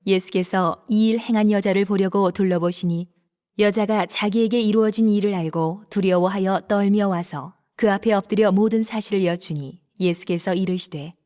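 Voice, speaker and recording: A woman narrating scripture in a steady, measured reading. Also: mid-range voice.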